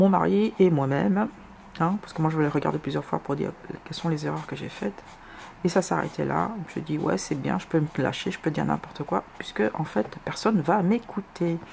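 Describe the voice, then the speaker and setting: A woman's very deep, low voice at a fairly quick pace, with very wide pitch swings. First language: not French (speaking French). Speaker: YouTuber. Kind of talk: casual chat. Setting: at home. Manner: halting.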